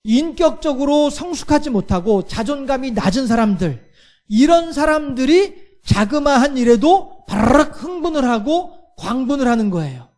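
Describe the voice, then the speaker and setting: A male pastor with a strikingly high speaking voice delivers a sermon. He talks straight to the congregation, asks question after question and fills each pause with a short "yes". He acts out everyday quarrels in lively voices.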